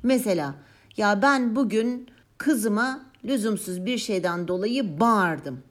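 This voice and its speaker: A woman's voice: medium pitch, expressive, slow. A woman in casual conversation who explains her reflections thoughtfully, with a playful, self-mocking touch.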